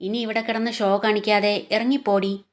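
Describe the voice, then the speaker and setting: A woman's voice: medium pitch, little pitch movement, normal speed, natural voice. A woman storyteller voicing a spiteful young female coworker who mocks and taunts. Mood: taunting. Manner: mocking, taunting.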